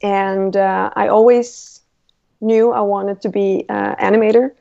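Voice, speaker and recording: A woman from Denmark with a Danish accent, a Danish native speaker, answering relaxed interview questions and pausing to search for words. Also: mid-range voice, vocal fry. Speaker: illustrator guest. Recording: dull lo-fi call audio.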